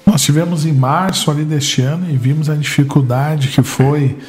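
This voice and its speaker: A man's voice: on the high side, fairly even intonation, normal speed, a little mellow. A man with a Brazilian accent hosting a conversational religious interview. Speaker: host. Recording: echoey room with music behind.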